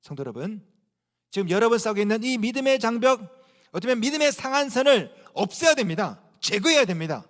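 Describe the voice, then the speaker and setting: A male pastor preaching a sermon in a lively, humorous and colloquial way. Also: extremely high pitch, fairly quick, in a large hall. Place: church sanctuary.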